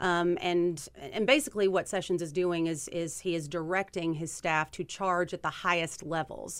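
A woman with a Kentucky accent speaks at a moderate pace with hardly any pauses, her fairly low voice keeping a fairly even intonation. The recording is very clean with a silent background. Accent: Kentucky Southern. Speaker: criminal justice reform advocate. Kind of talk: political interview.

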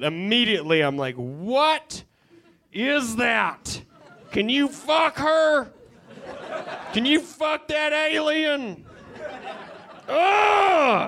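Over crowd noise in the background, a man speaks at a very slow pace in a raised, projected voice with very wide pitch swings. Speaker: stand-up comedian. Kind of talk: stand-up. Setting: stage with audience.

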